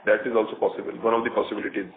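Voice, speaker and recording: Halting man on echoey phone line. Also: lowish voice, little pitch movement. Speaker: company executive answering investors. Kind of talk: earnings call answers to investor questions. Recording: phone-like conference line, roomy, slightly noisy.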